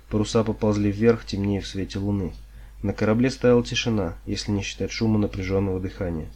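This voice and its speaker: A man reading an audiobook in a steady, measured storytelling manner. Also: sits low, husky. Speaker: audiobook reader. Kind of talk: audiobook narration.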